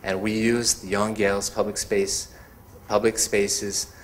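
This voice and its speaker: A man hosting an evening talk, introducing the speakers in a measured way. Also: lowish voice, flat delivery, a little hiss or hum. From Montreal. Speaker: event host introducing speakers. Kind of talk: event introduction.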